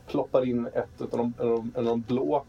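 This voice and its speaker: A man playing a tabletop role-playing game, talking casually and hesitantly with drawn-out fillers. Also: mid-range voice, flat delivery, creaky, lo-fi sound, a little hiss or hum. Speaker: player.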